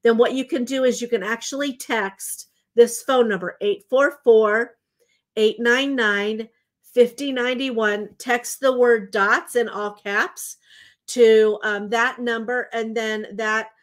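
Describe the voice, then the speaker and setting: A woman in her forties hosting a live jewelry shopping show, chatty and enthusiastic with lots of ums, her voice slightly hoarse from a recent bronchitis. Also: fairly high pitch, fairly even intonation, slow. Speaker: jewelry livestream host. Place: indoor home studio room.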